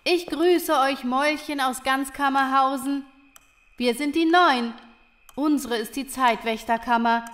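A woman's voice: high-pitched, measured pace, fairly bright tone. A woman voicing a proud female little creature who leads a chamber, speaking ceremoniously in theatrical rhyme for a children's audio drama. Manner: ceremonious, theatrical rhyming delivery.

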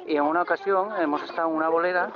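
A man's voice: a little high, steady tone, racing. Man, casual interviewee, chatty, muffled audio, noisy crowd. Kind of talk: casual chat. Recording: dull recording with loud crowd behind.

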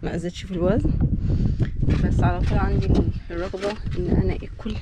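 A woman's voice: on the low side, steady tone, quick pace. Casting: Egyptian female travel vlogger, thirties, informal camera chat, recorded handheld with heavy background noise. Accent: Egyptian Arabic. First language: Arabic. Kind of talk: casual vlog narration and chat. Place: in and beside a camper van. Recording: noisy handheld outdoor and vehicle audio.

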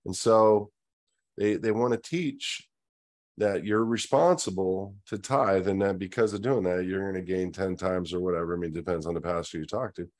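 A man's voice: low voice, normal speed, darkish tone. A middle-aged man speaking his opinions in a monologue on a video call, earnest, often restarting his words. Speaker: host. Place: indoors, virtual Q&A backdrop. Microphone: webcam video call.

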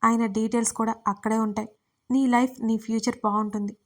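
A woman's voice: a little high, little pitch movement, fairly quick, lightly acted. A woman voicing a cold, aloof young husband in an audio story, talking curtly and dismissively. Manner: curt, detached.

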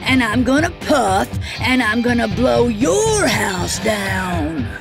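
A big, scary storybook wolf, put on by a woman, growls out slow threats in a gravelly voice. The delivery is drawn-out and menacing, with music playing behind it. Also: a little high, sing-song, full character voice. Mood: threatening.

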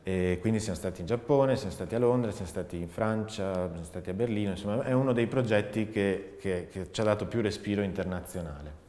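A fast-talking man with a mellow, low-leaning voice, he's a performing artist and sound researcher in his forties, seated in a dark indoor studio for an interview about his work. He reflects thoughtfully, restarting as he searches for ideas, while the reverberant, hall-like recording carries a little hiss or hum.

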